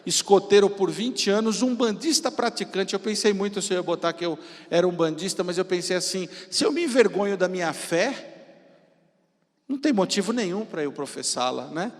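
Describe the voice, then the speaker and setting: A man's voice: high voice, animated, normal speed. A Brazilian man in his fifties with a São Paulo accent, giving an informal, theatrical motivational talk about his own story from a stage. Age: 50s. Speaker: entrepreneur speaking at a festival. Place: stage of a large event hall. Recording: reverberant hall with long echo.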